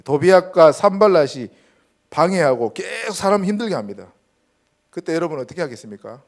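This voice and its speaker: A man's voice: on the high side, sing-song, brisk. A man pastor preaching a Sunday sermon, asking the congregation rhetorical questions and stressing points with emphasis. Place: church sanctuary.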